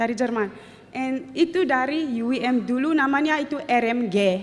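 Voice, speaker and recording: A high-pitched woman with ordinary pitch variation, audible room echo and music in the background. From South Africa. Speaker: church mission fundraising officer. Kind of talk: church announcement / thank-you speech. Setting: church service. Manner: halting, mixing English and Indonesian.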